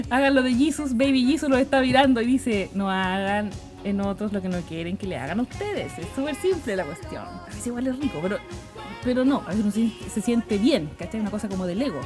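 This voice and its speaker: A woman's voice: a little high, a little mellow. A young woman with a Chilean accent hosting a podcast, chatting in a slangy way and laughing often. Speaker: podcast host. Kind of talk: casual chat.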